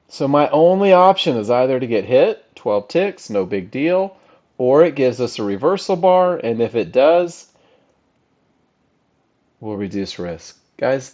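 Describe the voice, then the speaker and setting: A man's voice: medium pitch, very animated, unhurried, darkish tone. A man giving a live trading lesson as an instructor, addressing a group in short, emphatic phrases and often checking that they follow. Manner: emphatic, with short punchy phrases and rhetorical questions. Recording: slightly dull, lo-fi audio.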